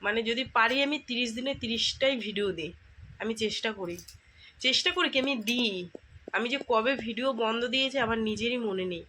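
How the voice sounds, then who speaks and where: A woman with a hoarse, feverish voice chats slowly and softly to her viewers in a relaxed home vlog. Her voice sits fairly high, and there is a faint hum of the room behind her. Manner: soft, slow and tired. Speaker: vlogger. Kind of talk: casual chat to viewers. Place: home at night.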